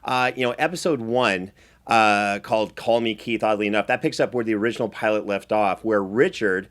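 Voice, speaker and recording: A man's voice: lowish voice, brisk, a bit bright. A man hosting a conversational interview. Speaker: host and series producer.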